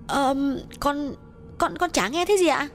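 A man's voice: extremely high pitch, measured pace, a bit bright, faint music behind, pitched above the performer's own voice, exaggerated voice. A man voicing a timid young servant woman who stammers and answers deferentially.

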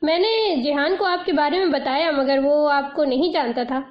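A woman's voice: sits high, natural voice. A woman voicing a headstrong young wife. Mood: insistent. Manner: pointed, insistent. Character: headstrong young married woman, sharp and stubborn. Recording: dull lo-fi audio.

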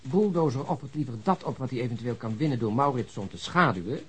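An actor playing a joking, talkative, food-loving police detective in a radio drama, with a teasing, mock-dramatic manner. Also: male voice, medium pitch, expressive, fast talker, husky. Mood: teasing, explaining.

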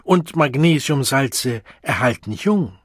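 A man's voice: medium pitch, expressive, slow, husky, no room sound, clean studio sound. A man voicing a nervous, ingratiating male tourist in an audiobook, talking in a placating, eager way.

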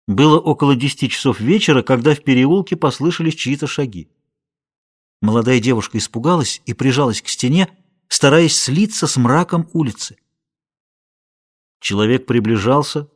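A male audiobook narrator reads a novel aloud in a medium-pitched voice, telling the story in a measured, expressive way.

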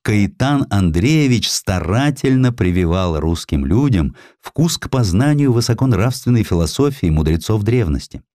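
A man reading a literary historical narrative aloud in an expressive, scripted storytelling style. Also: lowish voice, normal speed, few pauses, no echo, studio quality. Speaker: audiobook narrator. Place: dry studio.

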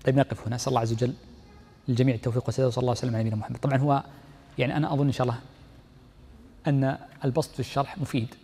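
شيخ يشرح درسًا بسرعة في قاعة مترددة الصدى. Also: male voice, medium pitch, little pitch movement, very fast, pauses often, dark tone, husky. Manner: explains step by step, repeats key phrases, reads the text aloud then comments. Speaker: sheikh teaching Islamic jurisprudence. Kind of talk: classroom lesson explaining a text. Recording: long hall reverb.

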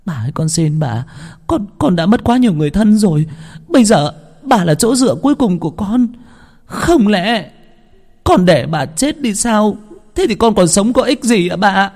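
A man's voice: high voice, sing-song, normal speed, a little mellow, voice pushed up, exaggerated voice. Sobbing young village woman, devoted and begging, for an audiobook ghost story, voiced by a man. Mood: tearful pleading.

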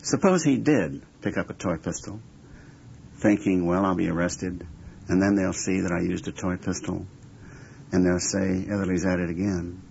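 A man's voice: low voice, normal speed, gravelly, a little mellow. A man talking reflectively and conversationally in an interview. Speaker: interviewed commentator. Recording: muffled archive recording with background noise.

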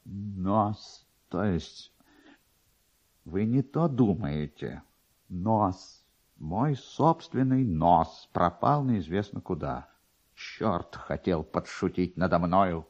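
Man playing indignant pompous official, hurried and flustered, lively lowered pitch, radio storybook reading, muffled old recording. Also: full character voice. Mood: flustered, pleading. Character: agitated, self-important male government official, desperately indignant. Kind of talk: dramatised literary reading. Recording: dull, lo-fi archive radio recording.

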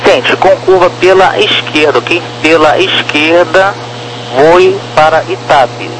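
A man's voice: on the high side, slow. Brazilian male air traffic controller over noisy radio. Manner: directive, repeats key phrases. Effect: aircraft radio transmission. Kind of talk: aviation radio communication, clipped procedural instructions.

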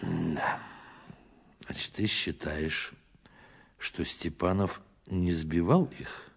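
An actor in an audio drama playing a police superior, measured and inquiring as he questions a subordinate. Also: sits low, creaky, slightly rough, full character voice. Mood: measured, questioning.

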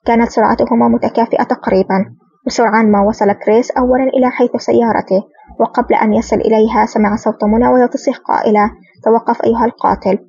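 A woman narrating a spy thriller audiobook in a brisk, steady reading. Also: on the high side, slightly rough, no echo. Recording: dull lo-fi dry recording.

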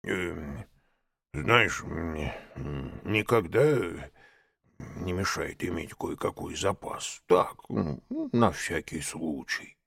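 A man doing a gravelly, mumbling old bear. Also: low voice, expressive, fairly bright tone, no room sound, clean studio sound, voice pushed down, heavily acted. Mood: mumbling, placid. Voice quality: gravelly, husky. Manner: mumbling, hesitant with drawn-out fillers. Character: slow easygoing old male bear. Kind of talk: audiobook character voice.

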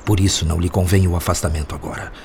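An actor playing a wise, patient spirit mentor in a radio drama, speaking in a measured, instructive, solemn way. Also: male voice, low voice, steady tone, darkish tone, slight background noise. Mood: solemn instruction.

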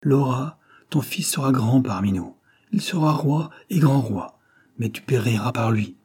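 Man doing an old gypsy seer, solemn prophetic lines, audiobook figure, husky. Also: mid-range voice, unhurried, darkish tone. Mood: grave. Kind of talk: audiobook character reading.

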